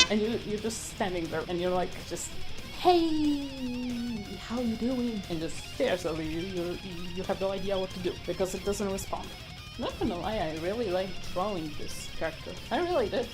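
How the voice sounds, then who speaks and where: A woman's voice: medium pitch, rough recording. Young woman chatting over music. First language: Polish. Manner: chatty, rambling, with fillers. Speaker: artist. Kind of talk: casual voice-over commentary. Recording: voice-over with loud background music.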